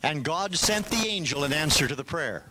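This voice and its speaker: Bright-voiced Canadian-born male preacher. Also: a little high, expressive, poor audio. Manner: storytelling, pauses in short phrases for translation. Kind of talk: sermon with live interpreter.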